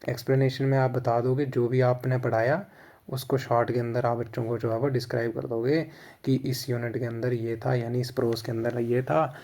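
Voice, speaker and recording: A man's voice: mid-range voice, level tone, moderate pace, a little mellow. Indian man explaining a lesson plan. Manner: repeats "theek hai" to check understanding. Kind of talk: casual instructional explanation mixing Hindi and English.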